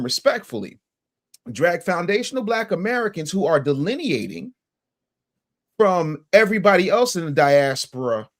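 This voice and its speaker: Animated, emphatic man making his case. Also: sits high. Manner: emphatic, argumentative, lecturing with rhetorical questions. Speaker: podcast panelist. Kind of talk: heated panel discussion.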